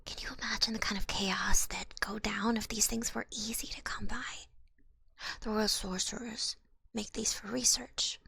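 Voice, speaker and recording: A woman voicing a little old goblin swindler in an ASMR roleplay, with a breathy, gravelly voice and folksy, wheedling patter. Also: mid-range voice, fairly even intonation, normal speed, bright, forceful tone, no room sound, heavily acted. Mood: conspiratorial. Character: cute little old goblin swindler, smooth-talking, slyly menacing.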